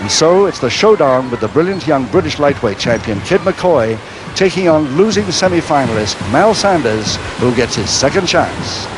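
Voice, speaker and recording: There is noticeable background noise as a man speaks in a fairly high voice with very wide pitch swings. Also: moderate pace. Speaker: wrestling commentator. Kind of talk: live sports commentary.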